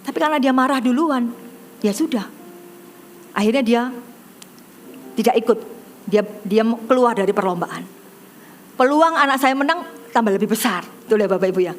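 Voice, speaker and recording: A middle-aged woman pastor with an Indonesian accent preaches in a church service. Her voice sits high, and she tells a personal story with lively, animated delivery. There is faint ambient noise behind her. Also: normal speed, long pauses. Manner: animated storytelling, acts out quoted voices, addresses congregation directly.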